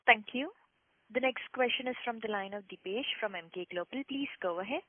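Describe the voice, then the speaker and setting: A woman's voice: fairly high pitch, a little fast, no room sound. A woman working as a conference call operator, reading out formal scripted announcements between questions. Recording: dry, tinny phone line.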